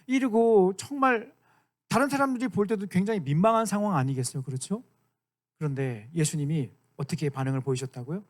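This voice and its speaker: A man in his thirties, a youth pastor giving a lively sermon to high school students and often asking them to agree. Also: fairly quick. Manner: animated, keeps asking the room for agreement; acts out quoted lines in dramatic voices.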